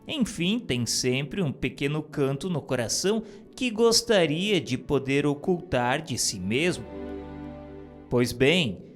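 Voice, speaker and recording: A man giving a solemn, earnest reading of a religious text, measured and exhorting. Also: on the high side. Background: faint music.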